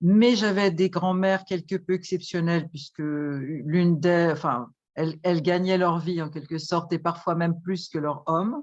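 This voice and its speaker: Her voice is an unremarkable speaking voice, a woman's, with fairly even intonation. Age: 60s. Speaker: guest in discussion. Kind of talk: casual discussion.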